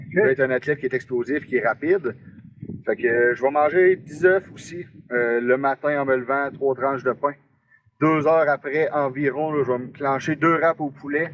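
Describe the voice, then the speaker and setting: A Québécois man from Quebec, Canada, in his twenties, an amateur strongman, answers interview questions in a chatty, rambling way, peppering his speech with "là" tags. His accent is Québécois French, his voice mid-range, with slight background noise.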